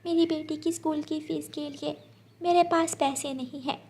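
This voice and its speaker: A woman's voice: high voice, fairly even intonation, normal speed, dark tone, pitched above the performer's own voice. A woman voicing a kind, caring mother bird in a cartoon story. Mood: tender.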